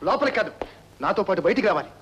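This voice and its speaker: An actor playing a proud, angry young husband who speaks defiantly and sermonizes, with a husky voice in old film melodrama style. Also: male voice, high voice, expressive, racing, fairly bright tone, dull audio, slight background noise.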